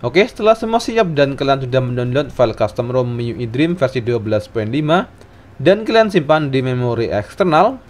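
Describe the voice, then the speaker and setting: A man's voice: medium pitch, lively intonation, fairly quick. A man narrating a scripted tech tutorial, giving instructions phrase by phrase.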